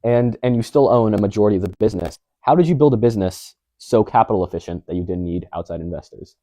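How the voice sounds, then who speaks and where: A man interviewer who talks quickly and builds long, wordy questions with plenty of setup. His voice is somewhat low and mellow, and the recording is dry and a little muffled. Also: no echo.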